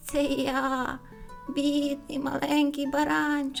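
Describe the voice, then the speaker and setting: A squeaky, high-pitched, female-sounding put-on character voice, very slow in pace, with clear music in the background. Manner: feigning innocence, pitiful.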